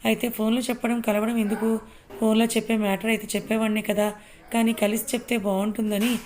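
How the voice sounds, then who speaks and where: Steady storybook read of a woman doing a sharp, guarded young wife; keep it level. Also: on the high side, fast, natural voice. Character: young married woman, guarded and quick to anger.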